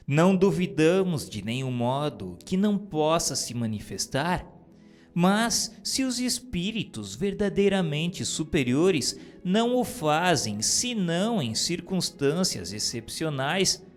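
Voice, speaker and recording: A man narrating a religious text in a calm, measured, formal way, with faint music underneath. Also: a little high. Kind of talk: scripted reading of a religious text. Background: soft music.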